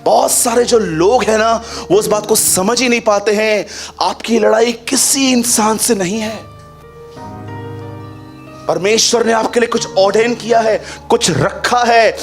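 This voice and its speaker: A pastor preaches a sermon, repeatedly asking the congregation rhetorical questions, mixing in English phrases and swinging between a raised voice and a low one. He speaks unhurriedly over faint background music.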